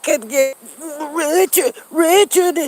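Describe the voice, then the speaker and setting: A put-on character voice speaks high and excited. The sound is dry and close, with no echo. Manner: excited, stuttering harder.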